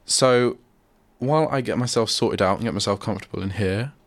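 Talking a little fast, a male radio host, congested with a head cold, rambles through a casual solo chat at a studio mic in a self-deprecating way. His voice is fairly low, nasal and blocked-up, and the recording is dry.

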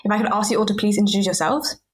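Brief: young woman moderator, quick scripted delivery, student podcast. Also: medium pitch, fairly even intonation. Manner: scripted, brisk introductions. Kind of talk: podcast panel discussion.

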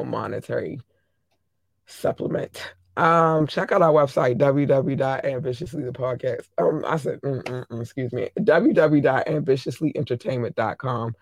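A hoarse podcast host chatting casually, affectionately shouting out listeners country by country. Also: mid-range voice, no echo, studio quality.

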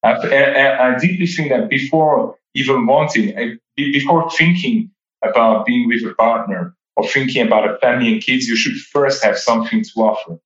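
A man's voice: mid-range voice, moderate pace, a bit bright, reverberant, lo-fi sound. A man in his thirties whose first languages are French and Dutch, giving reflective interview answers and often repeating words while he searches for them. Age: 30s. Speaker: podcast guest.

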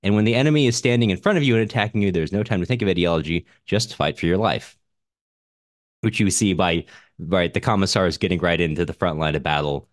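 A man with a very low voice talks through a book as a podcast co-host. His delivery is casual and slightly wry, and the recording is close and dry. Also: quick pace, no room sound. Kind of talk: casual book discussion, reading out listener comments.

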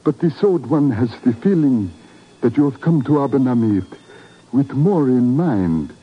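An old Arab leader from a radio spy drama. He is formal and shrewd, choosing his words with ceremony in a husky voice. The sound is dull, like an old broadcast. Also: medium pitch, animated. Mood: courteous, probing. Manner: ceremonious, deliberate, speaks of himself in third person. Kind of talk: 1950s radio acting.

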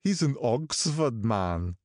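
High, strange-toned old gangster, slow and brooding, self-important, audiobook. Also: male voice, very animated, darkish tone, dry recording, clean studio sound. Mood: self-satisfied. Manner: slow, brooding, drawn-out delivery. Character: older male gangster, gloomy, sentimental, self-important.

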